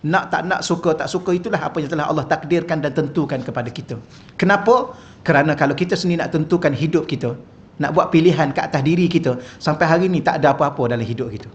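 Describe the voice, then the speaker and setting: A religious teacher with a Malaysian Malay accent gives a funny, chatty lecture in a mosque hall, frequently putting questions to the audience. His voice is slightly high and quick. The wireless-mic recording sounds muffled.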